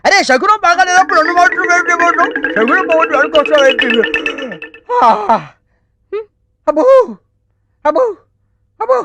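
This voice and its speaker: A man acting as a fussy grocery shop owner who scolds his worker in a quick, excitable comic way, with film music behind. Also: very high-pitched. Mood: fretting. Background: film background music.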